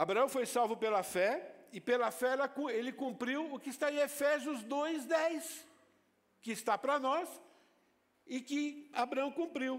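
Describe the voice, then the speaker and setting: Talking at a fairly slow pace, a man has an extremely high pitch with ordinary pitch variation. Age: 60s. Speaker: pastor. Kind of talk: sermon. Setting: church service.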